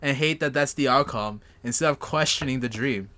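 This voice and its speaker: A man co-hosting a podcast in casual chat, excitable and sarcastic, swearing freely. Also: medium pitch, normal speed. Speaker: podcast co-host.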